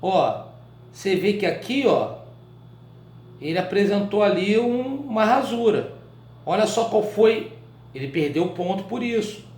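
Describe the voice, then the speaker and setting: Brazilian guy teaching writing, high-ish voice, keeps asking the class if they're following, roomy echo. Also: unhurried, long pauses. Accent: Brazilian Portuguese. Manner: checks in often with short questions to students; colloquial, animated explaining. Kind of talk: live online writing class.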